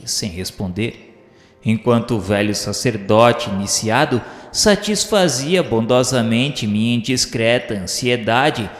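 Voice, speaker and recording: Slow, solemn Brazilian man narrating in reverb. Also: medium pitch. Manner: solemn, literary, theatrical phrasing. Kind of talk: dramatic scripted narration of a radio novel. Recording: echoey, long reverb, music underneath.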